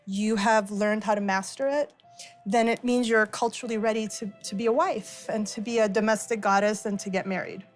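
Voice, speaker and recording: A middle-aged woman with an American accent, explaining a dish and telling personal stories in an expressive way as a guest cook. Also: mid-range voice, fairly quick. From born in Iran, raised in Arizona, US. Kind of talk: cooking demonstration with personal storytelling. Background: music and frying sizzle.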